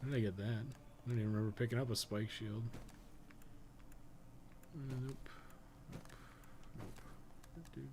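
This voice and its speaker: A man's voice: lowish voice, steady tone, moderate pace, long pauses, background noise. A man giving casual, rambling live commentary while playing a video game, with some swearing and self-amusement. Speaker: video game streamer and podcast co-host.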